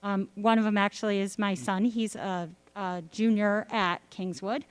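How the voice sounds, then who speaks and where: A middle-aged woman giving a prepared speech as a local candidate, speaking earnestly and deliberately in short phrases. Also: mid-range voice, fairly even intonation, smooth, no echo. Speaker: candidate for town selectman. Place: arts center stage at a candidate forum.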